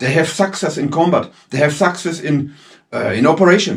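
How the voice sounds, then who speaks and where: A high-pitched man with a German accent at a moderate pace. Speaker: military veteran. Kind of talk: Q&A video answering viewer questions. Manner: halting, with fillers.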